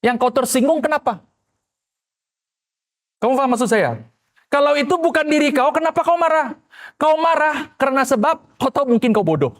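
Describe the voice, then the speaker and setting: Very high-voiced male pastor preaching. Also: normal speed, long pauses. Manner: animated, rhetorical questions, acts out quoted voices. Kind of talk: sermon.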